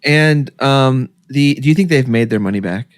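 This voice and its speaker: A man co-hosting a podcast in casual chat, with dry quips and quick questions. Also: medium pitch, dry recording. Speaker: podcast co-host.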